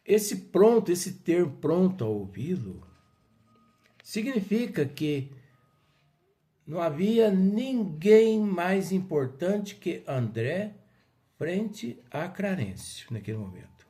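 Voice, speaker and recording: A man leading a study, reading a spiritist book aloud and explaining it in an animated, playful way. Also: sits high, slow. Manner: animated, playfully acts out the characters' exchanges. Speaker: study group leader.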